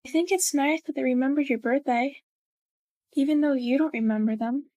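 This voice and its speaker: A woman's voice: sits high, brisk, dark tone, no room sound, studio quality, lightly acted. A woman playing a friendly, insistent sixteen-year-old little sister in an audio drama. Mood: encouraging. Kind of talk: hobby audio drama acting.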